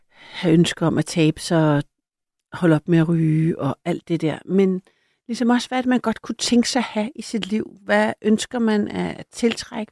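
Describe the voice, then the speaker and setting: A woman's voice: mid-range voice, dark tone, dry recording, studio quality. A woman hosting a late-night call-in radio show, chatty and a little hesitant, laughing easily with callers.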